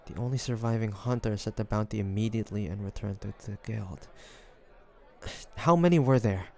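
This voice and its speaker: Man acting as a low, gravelly devoted fantasy adventurer. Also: moderate pace. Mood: guarded, shocked, determined. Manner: intimate, earnest, with breathy sighs. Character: devoted fantasy adventurer and healer, tender toward his dragon beloved. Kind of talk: dramatic audio roleplay addressed to the listener.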